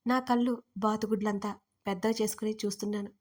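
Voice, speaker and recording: A woman storyteller giving an expressive, dramatic first-person narration of a scripted romance story. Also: mid-range voice, fast.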